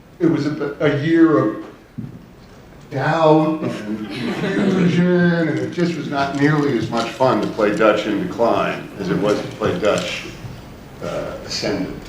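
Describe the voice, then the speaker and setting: Over noticeable background noise, a man with a fairly high pitch speaks at a very slow pace with lively intonation. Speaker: voice actor. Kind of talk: convention panel talk. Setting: convention panel stage.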